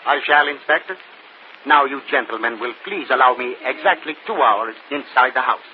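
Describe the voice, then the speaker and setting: An actor playing a theatrical stage magician in an old radio drama. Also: male voice, medium pitch, moderate pace, natural voice. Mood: grandiose. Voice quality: grandiose, showy. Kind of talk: 1940s radio acting. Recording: dull old radio recording with hiss.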